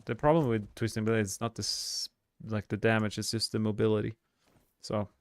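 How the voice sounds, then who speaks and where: A young adult man from Sweden, talking through a live game stream in a relaxed, halting way. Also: lowish voice, no room sound. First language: Swedish. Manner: relaxed, halting, frequent uh and restarts. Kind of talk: live stream commentary while gaming.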